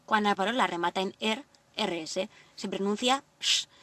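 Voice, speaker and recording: A woman presenting a language lesson, reading example words slowly and deliberately. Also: medium pitch, fairly bright tone, no room sound, distant mic. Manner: clear, deliberate word-by-word reading. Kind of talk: scripted lesson narration.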